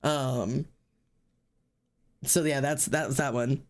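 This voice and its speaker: A streamer and artist in casual chat, talking in an excitable, rambling way and swearing freely. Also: mid-range voice, drawn-out words.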